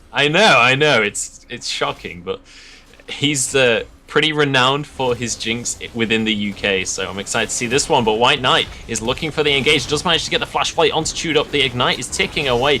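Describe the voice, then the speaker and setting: With ordinary pitch variation, a man's speech runs at a fairly quick pace. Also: medium pitch for a man. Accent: British. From UK. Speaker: esports caster. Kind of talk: live commentary.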